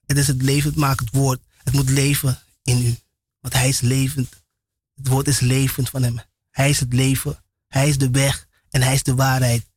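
A man on Christian radio giving a fervent, halting testimony full of restarts and laughter. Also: medium pitch, level tone, darkish tone, slightly rough, no room sound. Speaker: radio host. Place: radio studio.

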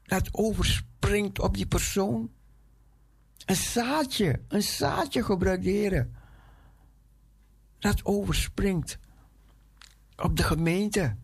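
A man preaching a sermon in a halting way, often repeating his phrases. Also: high voice, vocal fry, slightly rough.

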